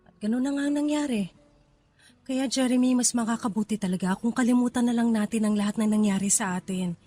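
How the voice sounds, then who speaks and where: An actress plays a wounded young hostess in a radio love drama. Her voice is a little high and pleading, guarded and full of feeling, with faint music behind it. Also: a little fast, warm tone, lightly acted. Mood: regretful. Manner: pleading, emotional. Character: guarded, hurt young KTV hostess pushing away her suitor. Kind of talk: radio romance drama acting.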